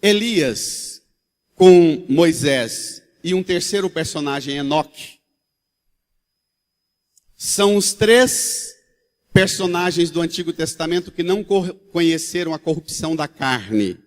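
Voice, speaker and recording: A priest from central Brazil preaches to his congregation, retelling old stories in a lively, homespun manner. His voice sits a little high for a man. A long church reverb trails each phrase. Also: slow. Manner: storytelling, animated, with colloquial asides. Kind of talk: sermon. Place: large church.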